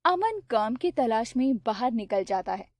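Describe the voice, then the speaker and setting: A woman narrating a cartoon story in a steady, plain storybook way. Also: fairly high pitch, unhurried, no room sound, clean studio sound.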